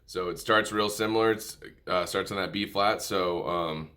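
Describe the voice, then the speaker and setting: Very deep-voiced man teaching music. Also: normal speed, noisy background. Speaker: music tutorial instructor. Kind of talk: informal instrumental lesson, calling out notes. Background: musical instrument playing between and under phrases.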